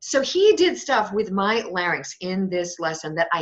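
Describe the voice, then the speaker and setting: A woman speaks at a medium pitch. Her tone is animated. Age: 60s. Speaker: voice scientist and professor. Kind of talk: interview.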